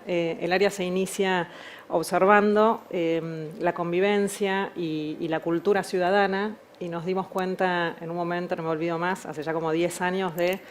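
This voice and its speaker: A woman's voice: lowish voice, slight background noise. A woman with an Argentine accent recalling her work as a panel guest, reflective with many hesitations. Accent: Argentine Spanish. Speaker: city government official, panelist. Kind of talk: panel conversation.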